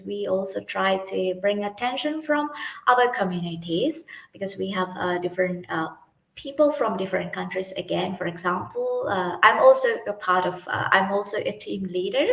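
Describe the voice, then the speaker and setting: Young sri lankan woman, sinhala native, bit gravelly, lots of uhs, roomy echo. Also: mid-range voice, a bit bright. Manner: hesitant, many fillers and restarts. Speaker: youth team leader. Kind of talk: livestream talk.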